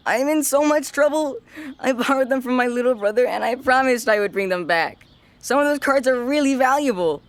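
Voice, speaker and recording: A woman's voice: high voice, a little fast, dry recording. A woman voicing an upset young schoolboy who pleads and whines. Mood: distressed. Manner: whiny, pleading. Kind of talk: audio drama acting. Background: music.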